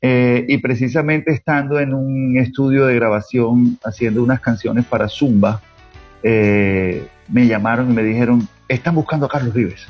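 A Colombian man with a husky voice tells his story as an interview guest, pausing with fillers as he goes. His voice comes through a dull, lo-fi line with faint music behind. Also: mid-range voice, fairly even intonation.

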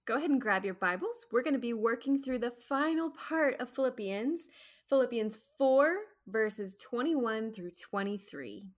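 A woman co-hosting a Bible study podcast, talking in a relaxed, thoughtful way. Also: a little high, moderate pace. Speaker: podcast co-host. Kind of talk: casual Bible study chat.

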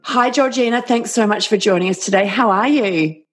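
A woman's voice: a little high, moderate pace. An Australian woman hosting a podcast and interviewing a guest, reading a scripted intro and then chatting. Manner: warm, scripted intro then easy chat. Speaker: podcast host, business coach. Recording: music bed behind voice.

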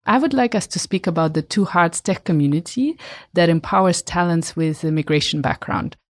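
Interviewer, woman, reflective questions, lower pitch. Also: normal speed.

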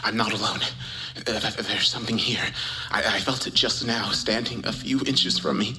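A man's voice: on the low side, steady tone, unhurried. An actor playing a terrified, isolated man who is coming apart, whispering and stammering into an audio log. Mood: frightened.

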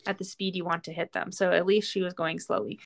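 A woman co-hosting a podcast with casual, chatty recapping of a TV show, quick to giggle. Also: on the low side, level tone. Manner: giggly, breaking into laughter often. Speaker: podcast co-host.

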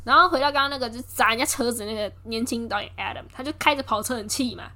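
A woman's voice: a little high, rapid-fire. A young woman hosting a casual chat, retelling a film scene by scene and acting out the characters' lines. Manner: lively, acts out quotes with voice shifts and laughs.

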